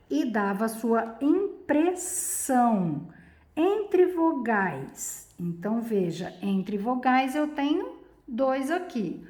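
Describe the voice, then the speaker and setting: A woman teacher giving a spelling lesson, explaining each rule step by step in a slow, patient way. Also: a little high, darkish tone, echoey room.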